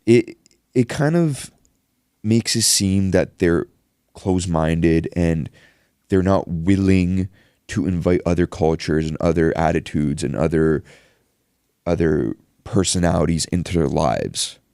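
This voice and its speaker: A young man raised in Canada, telling stories in a relaxed podcast chat. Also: deep voice, a little slow, clear, resonant tone, no room sound, clean studio sound. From Iran, raised in Canada. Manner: relaxed, storytelling, with fillers. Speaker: podcast host.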